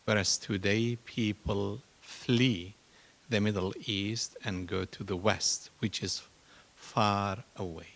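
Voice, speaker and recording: A man who is a church archbishop, giving measured, deliberate remarks at a symposium panel. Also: fairly low pitch, fairly even intonation, fairly bright tone. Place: university symposium hall.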